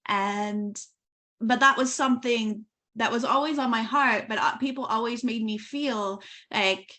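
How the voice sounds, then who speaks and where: Woman hosting a podcast, kinda high voice, earnest, lots of "like". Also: unhurried, bright, forceful tone. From USA, Oklahoma. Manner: earnest, personal, with frequent "like" and restarts. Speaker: podcast host. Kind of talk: conversational podcast interview.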